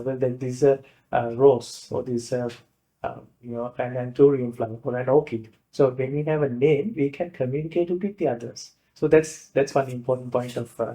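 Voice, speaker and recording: A man with a soft, mellow tone and a Sri Lankan accent teaches as a monk would in class. His pitch sits in the middle range, and he explains things informally, pausing often to find another wording. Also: low-quality recording. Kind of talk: informal lecture.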